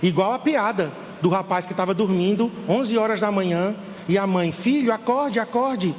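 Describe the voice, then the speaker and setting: A man's voice: sits high, moderate pace, slight background noise. Middle-aged male pastor, fervent sermon delivery, reverberant hall sound. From Brazil. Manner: fervent, preaching to the congregation. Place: church hall.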